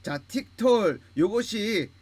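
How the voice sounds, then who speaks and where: A man with a high-pitched voice gives a grammar lesson. He breaks words into slow syllables and answers the questions he poses himself. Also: animated, a little mellow, slightly rough. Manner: drills words slowly, syllable by syllable, asks and answers his own questions. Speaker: Hebrew grammar teacher. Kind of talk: lecture.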